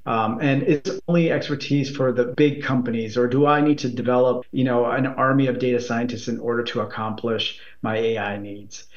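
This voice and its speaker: A man being interviewed as a tech executive, speaking in halting phrases with many repeats and fillers. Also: mid-range voice, steady tone. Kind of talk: interview answers. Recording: roomy, dull remote line.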